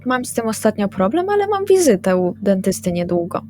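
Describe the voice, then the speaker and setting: A young vampire daughter voiced by a female player, placating and evasive yet fond. The pitch is average for a woman, and light music plays underneath the tabletop session. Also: big pitch swings, brisk, warm tone, natural voice. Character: Wendy, vampire daughter placating her parents.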